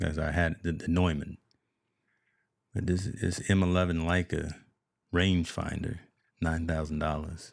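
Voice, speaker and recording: On a very clean recording with a silent background, a man speaks quietly at a moderate pace, his very deep, low voice held to a fairly even intonation. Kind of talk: casual chat. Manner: speaking quietly.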